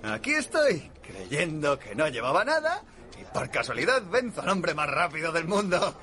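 An actor in a dubbed TV drama playing a nervous card player who gets excited and boastful. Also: male voice, on the high side, moderate pace.

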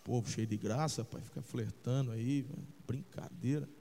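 A man's voice: steady tone, normal speed, gravelly. Preaching man in a reverberant hall. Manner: preaching with swings from shouting to low intensity; addresses listeners as brother, checks in with the crowd. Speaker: pastor. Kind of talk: sermon.

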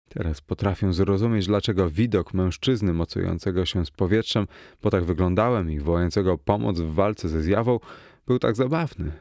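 A man with a low, gravelly voice reads a first-person horror tale with mounting tension. The sound is close and completely dry, with no room around it. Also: dry recording. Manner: tense, expressive, rising to cries in the quoted lines. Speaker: audiobook narrator. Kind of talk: dramatic reading of a first-person horror story.

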